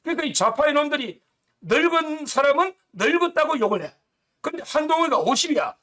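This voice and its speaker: A man's voice: very high voice, very animated, brisk, bright, forceful tone. A man commenting on politics in a talk show, blunt and scornful, using coarse insults.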